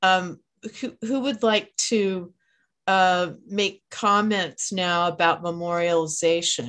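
A woman talks at a very slow pace with ordinary pitch variation. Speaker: moderator. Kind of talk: panel moderation. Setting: video call. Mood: serious, measured. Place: home room. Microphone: headset.

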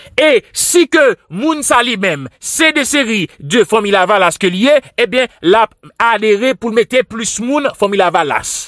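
A dry, close sound with no echo, carrying lively intonation. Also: man. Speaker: news channel narrator. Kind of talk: news commentary. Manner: hesitant, many fillers.

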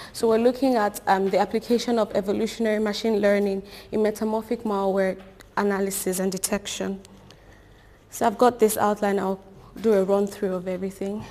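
A woman speaks at a fairly quick pace in a medium pitch. Her tone is dark and mellow, and her intonation stays monotone and flat. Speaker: researcher; conference presenter. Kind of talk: conference talk. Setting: lecture room with audience. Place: classroom.

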